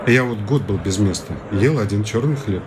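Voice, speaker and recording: A man's voice: lowish voice, moderate pace, natural voice. Man doing a confiding bachelor friend, lecturing tone, noisy backdrop, radio play. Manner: lecturing, confiding, matter-of-fact. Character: worldly bachelor friend, sober-minded young man.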